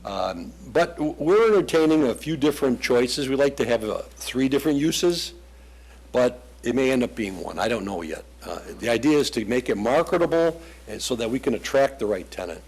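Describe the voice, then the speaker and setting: Mid-pitched, slightly husky male developer; relaxed, rambling pitch to a commission. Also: normal speed, low-quality recording. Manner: casual, rambling, reassuring. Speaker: property developer presenting to commission. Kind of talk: presentation at a public meeting. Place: township meeting hall.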